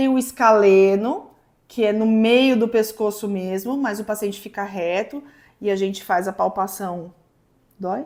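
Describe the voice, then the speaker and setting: A woman with an ordinary speaking voice talks at a fairly slow pace, her medium pitch showing ordinary variation, on a very clean recording with a silent background. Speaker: physiotherapist. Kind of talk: demonstration explaining anatomy.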